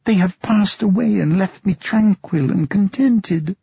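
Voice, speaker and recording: A man's voice: vocal fry, mellow, slightly rough, no room sound, heavily acted. A man voicing a young blind girl who pleads earnestly through tears. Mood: earnest, tearful. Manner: trembling, pleading, high and slow. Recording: muffled, dry, lo-fi.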